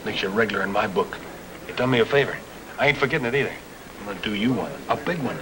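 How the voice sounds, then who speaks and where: A man's voice: lowish voice, expressive, quick pace, natural voice. A male actor playing a tough, scheming convict who talks in prison inmate slang, in 1950s screen drama style. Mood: gruff, insistent. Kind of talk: 1950s black-and-white screen drama acting. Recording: noisy old film soundtrack.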